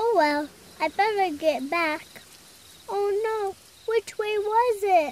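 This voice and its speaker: An extremely high-pitched, put-on character voice moves at a fairly slow pace. It leaves long, frequent pauses. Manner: fearful.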